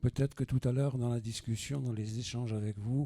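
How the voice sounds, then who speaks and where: Dark, mellow tone, somewhat breathy, with ordinary pitch variation. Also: man. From Algeria. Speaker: war veteran. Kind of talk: testimony. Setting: school panel with audience.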